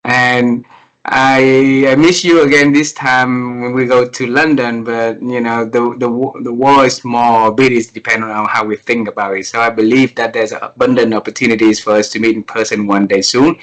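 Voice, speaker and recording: A man hosting an interview over a video call, polite and formal, with slightly halting phrasing. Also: mid-range voice, steady tone, fairly bright tone, poor audio. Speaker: host.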